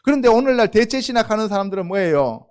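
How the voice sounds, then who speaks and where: A man's voice: high voice, sing-song, fast talker, clear, resonant tone. A middle-aged male pastor preaching a sermon, often asking the congregation questions and then answering them himself. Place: church.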